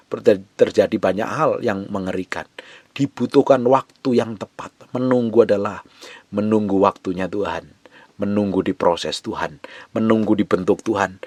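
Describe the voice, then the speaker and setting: Impassioned pastor preaching up close. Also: male voice, on the low side, no room sound. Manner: swings from loud urgent exhortation to soft hushed pleading. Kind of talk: sermon.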